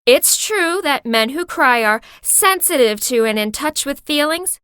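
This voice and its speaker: A woman voice-over artist reading scripted narration in a polished, articulate way with deliberate phrasing. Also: high voice, lively intonation, fairly bright tone, dry recording, studio quality.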